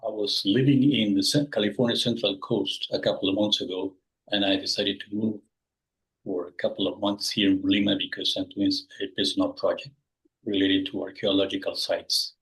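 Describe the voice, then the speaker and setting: A man's voice: lowish voice, fairly even intonation, normal speed, fairly bright tone, low-quality recording. A man in his sixties from Peru, answering interview questions and rephrasing as he searches for words. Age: 60s. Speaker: guest.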